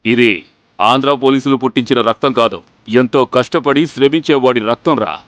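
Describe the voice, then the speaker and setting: A man's voice: mid-range voice, brisk, muffled recording, a little hiss or hum, natural voice. A man dubbing a film hero who defiantly taunts the police in a sarcastic, mocking manner. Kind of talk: dubbed film dialogue.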